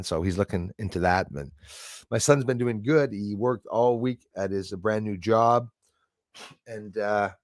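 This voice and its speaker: Rambling man in his sixties, low voice. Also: no room sound, studio quality. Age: 60s. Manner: rambling, chatty, thanks viewers by name. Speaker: live stream host. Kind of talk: casual live-stream chat with viewers.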